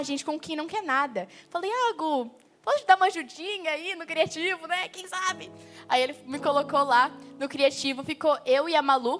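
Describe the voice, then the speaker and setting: A woman's voice: sits high, fairly bright tone. A young Brazilian woman giving a chatty testimony sermon from a church stage, talking straight to her listeners. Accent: Brazilian Portuguese. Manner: chatty, talks straight to the audience. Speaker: youth preacher.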